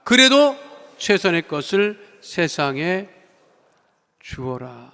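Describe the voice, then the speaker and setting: Fervent preacher, bright ringing voice. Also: male voice, high voice, sing-song, takes it slowly, clean tone. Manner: emphatic, declaring, dramatic swells and drops. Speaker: pastor. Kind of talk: sermon and fervent prayer. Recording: long church reverb.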